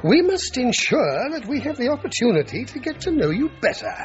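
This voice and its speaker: An older actor playing a blunt, teasing aging king in a period drama, measured and commanding. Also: very high-pitched, very animated. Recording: dull lo-fi with faint music.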